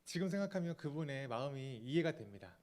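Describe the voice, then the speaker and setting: A man in his thirties preaching a sermon as pastor, earnest and confessional, often trailing off softly, with small fillers and restarts. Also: mid-range voice, very animated, fast. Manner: fillers and self-corrections.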